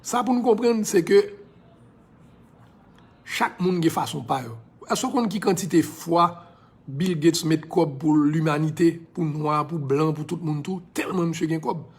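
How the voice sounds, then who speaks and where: A man's voice: on the high side, a little slow. A man with a Haitian accent giving an impassioned, preachy monologue in a casual live video, now and then slipping into English phrases. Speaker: social media personality.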